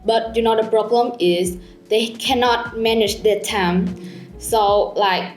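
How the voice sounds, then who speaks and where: Woman, Vietnamese accent, non-native English, exam candidate, rushed eager answers, roomy echo. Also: a little high, steady tone. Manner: fast, eager, halting grammar with fillers. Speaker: IELTS test candidate. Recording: echoey room, faint music.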